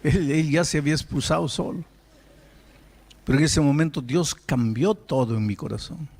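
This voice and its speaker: A male pastor telling a story in a sermon, emphatic and animated, often breaking off and restarting his words. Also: fairly high pitch, normal speed.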